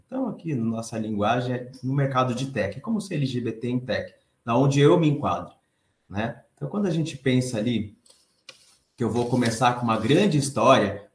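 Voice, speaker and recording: A man in his thirties with a Brazilian Portuguese accent and a soft, light voice, giving a conversational conference talk. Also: medium pitch, reverberant. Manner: conversational, expressive, reads the chat aloud. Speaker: conference speaker.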